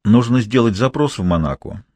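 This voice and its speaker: A man voicing a composed, principled detective speaking in measured tones. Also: medium pitch, lively intonation, darkish tone, no echo, natural voice. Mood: calm, wary. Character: calm, principled male detective.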